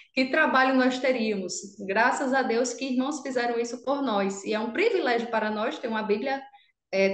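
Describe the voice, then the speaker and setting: A woman's voice: sits high, roomy sound. A woman with a Brazilian Portuguese accent, co-hosting a religious teaching podcast, explaining earnestly and often checking in with "né?". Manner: earnest, explanatory, with many "né?" tags and restarts. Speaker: podcast co-host, Sunday school teacher. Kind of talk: casual religious podcast discussion.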